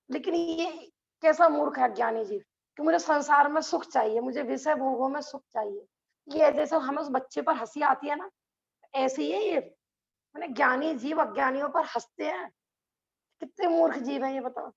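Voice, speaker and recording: A woman's voice: high-pitched, normal speed, creaky, muffled recording. A woman teaching a religious class who keeps asking the listeners rhetorical questions and laughs between points. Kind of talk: lecture to a class.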